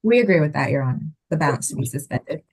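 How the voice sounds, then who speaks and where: A man speaking as a prosecutor in court, formally reciting plea terms in a flat, procedural manner. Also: fairly high pitch, fast, breathy edge.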